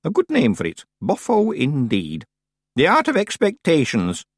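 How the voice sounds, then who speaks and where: Storybook old witch played by a man: high, wildly animated pitch, proud and sly, old-fashioned genteel manner. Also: moderate pace, dry recording, clean studio sound. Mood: pleased, wry. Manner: crisp, dramatic, old-fashioned genteel phrasing. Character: old woman witch, sly, proud, theatrical, kindly stern. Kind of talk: audiobook character voice.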